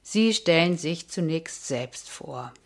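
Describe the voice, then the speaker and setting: A woman's voice: deep voice, lively intonation, takes it slowly, slight background noise. A woman radio host reading a scripted introduction of her guests fluently.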